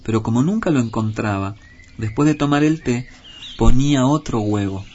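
A man reads a children's tale aloud at an even, measured pace, giving the lines some expression. His voice sits at a middle pitch. The recording is dull and lo-fi with a faint hiss. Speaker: storyteller. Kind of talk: reading a children's story aloud.

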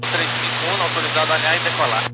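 A man's voice: a little high, fairly even intonation, rapid-fire. A male pilot talking over an aviation radio in terse, clipped phrases during an air traffic exchange. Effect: heard over an aviation radio. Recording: loud hiss, distant radio transmission.

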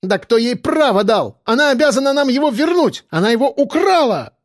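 A man voicing a shrill, brash, quarrelsome woman who yells indignantly, in an audiobook. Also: very animated, a little fast, no room sound, clean studio sound. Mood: yelling. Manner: screeching, indignant, yelling.

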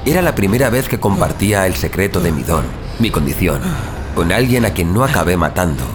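A man plays a brooding killer who roams the night in an audio drama. His voice sits a little low and moves expressively, with a Castilian Spanish accent and a wry, coarse turn of phrase. Music runs behind him. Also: lively intonation, a little fast, heavy background noise. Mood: brooding narration. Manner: wry, foul-mouthed, colloquial. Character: brooding, sarcastic male night-prowling killer who narrates his story. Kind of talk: audio drama dialogue and first-person narration.

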